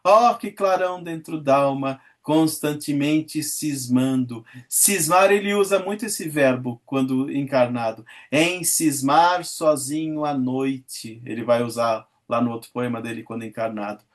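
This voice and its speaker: A man's voice: medium pitch, normal speed, few pauses. A man giving a talk on poetry, reading poems aloud, counting syllables and asking his audience questions. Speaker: lecturer. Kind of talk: lecture on poetry.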